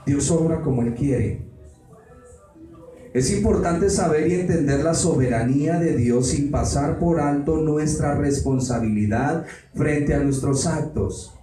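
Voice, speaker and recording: Dramatic preacher in an echoey hall. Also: male voice, fairly high pitch, measured pace, dark tone, soft background music. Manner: dramatic, acts out quoted voices, rhetorical questions. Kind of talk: Bible study sermon. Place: church meeting hall. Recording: echoey hall, distant mic, faint ambience.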